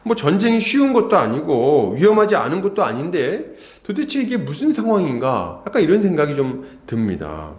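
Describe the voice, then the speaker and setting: This pastor's voice sits high with a darkish tone, and the sound is reverberant. Preaching an expository sermon in a church sanctuary, he keeps putting questions to the congregation and performing imagined quotes from people.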